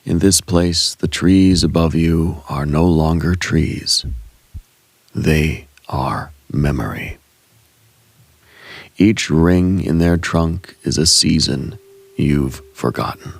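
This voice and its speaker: Male narrator for esoteric ASMR meditation; heavy vocal fry, husky breathy tone, solemn, measured and hushed delivery. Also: a bass voice. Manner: solemn, hushed, deliberate, with short measured phrases. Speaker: host and narrator of a meditative radio show. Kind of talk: ASMR guided meditation, slow dreamlike scripted narration.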